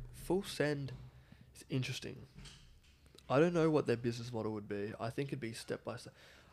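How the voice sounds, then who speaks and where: A man with an Australian accent at a medium pitch with ordinary pitch variation, a fairly quick pace, big swings in loudness, and long, frequent pauses. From Perth, Western Australia. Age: young. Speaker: podcast host. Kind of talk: casual chat.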